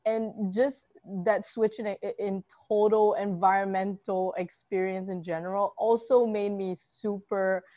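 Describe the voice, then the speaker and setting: A young woman from Singapore with a softened Singaporean accent, chatting casually as a podcast host with quick asides. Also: mid-range voice, steady tone. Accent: Singaporean, softened toward American. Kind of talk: casual conversation.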